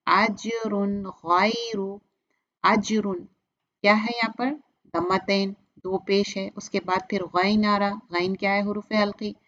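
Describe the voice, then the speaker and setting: A woman teaching recitation rules, patiently repeating each example slowly and clearly. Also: mid-range voice, lo-fi sound. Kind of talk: step-by-step tajweed lesson.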